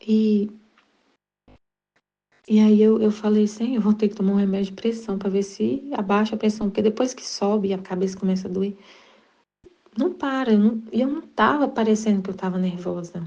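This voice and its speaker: A middle-aged woman with a Brazilian accent, hosting a Catholic devotional channel and sharing a personal spiritual reflection in an earnest, repetitive way with halting restarts. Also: medium pitch, dark tone, lo-fi sound. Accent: Brazilian Portuguese.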